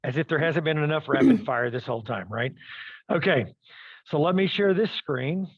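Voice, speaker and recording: A man's voice: a little high, animated, moderate pace, vocal fry, slightly rough, dry recording, highs cut off. A man presenting a live webinar demo, upbeat and checking in with the audience as he goes. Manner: upbeat, addresses audience with "okay?" and "right?".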